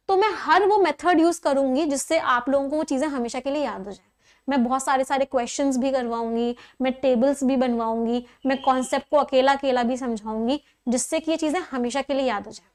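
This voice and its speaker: A woman teaching an English grammar class, explaining step by step, repeating key points and checking whether the students follow. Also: high-pitched.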